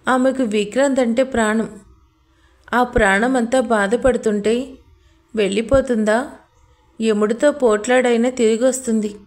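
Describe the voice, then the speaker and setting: A woman's voice: fairly high pitch, steady tone, measured pace, pauses often, a little mellow. A woman narrating a romantic audio story in a scripted, dramatic, emotional way.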